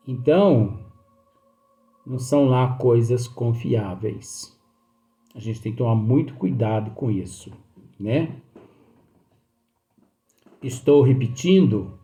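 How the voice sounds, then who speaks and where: A man with a Brazilian Portuguese accent who teaches slowly and patiently, going back over each point. His voice is mellow and dark, at a middle pitch. He sounds like he is in an echoey room. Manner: slow, repeating and explaining, with many fillers. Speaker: spiritist teacher. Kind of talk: slow study talk reading and explaining a book.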